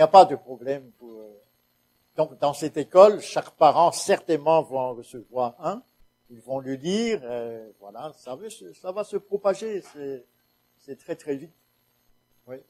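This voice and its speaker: A man with a fairly high pitch and a dark, mellow tone speaks at a fairly slow pace, with lively intonation and long, frequent pauses. His loudness swings widely, and the sound is dry and close with no echo. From Madagascar. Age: 80s+. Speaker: church speaker. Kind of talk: testimony. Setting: church meeting. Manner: halting, many hesitations.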